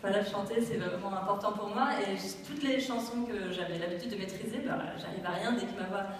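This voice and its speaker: A woman's voice: mid-range voice, brisk, a little hiss or hum. Performance artist in her thirties, playful and reflective, recorded live at a distance. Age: 30s. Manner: thoughtful, playful, loosely improvised. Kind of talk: spoken commentary in a live stage performance. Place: arts venue, live performance. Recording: echoey live hall from far off.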